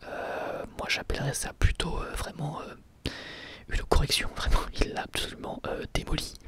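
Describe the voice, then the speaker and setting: A man's voice: moderate pace, fairly bright tone. A man giving a whispered ASMR review of an episode, hesitant, with many fillers and restarts.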